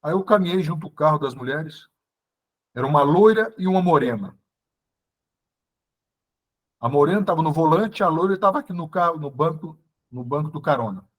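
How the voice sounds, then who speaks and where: A man's voice: on the high side, expressive, normal speed, pauses often. A man preaching a testimony, telling his story dramatically and calling the listeners brothers. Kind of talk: sermon testimony.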